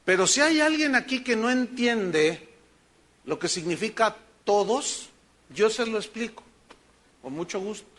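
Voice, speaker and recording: A man with a Mexican accent, a pastor preaching a sermon with emphatic rhetorical questions and animated storytelling. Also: high voice, unhurried. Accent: Mexican Spanish.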